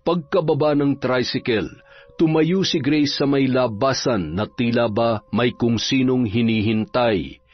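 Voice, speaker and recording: A man narrating a scripted horror story in a steady, dramatic way. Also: medium pitch, a little slow. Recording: slightly dull, faint music.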